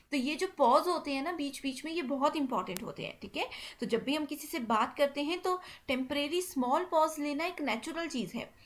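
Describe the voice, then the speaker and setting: In a high, light voice, a young woman delivers an exam-prep lecture, explaining the material in a steady tone. She mixes English terms into her Hindi and constantly repeats "ठीक है," pausing on a quick "theek hai" between points.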